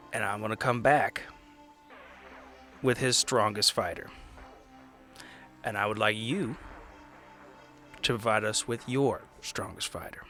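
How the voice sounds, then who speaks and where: A man playing a tabletop roleplaying game, improvising persuasive speeches in a casual, halting way. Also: medium pitch, fairly bright tone. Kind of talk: improvised in-character negotiation and table talk.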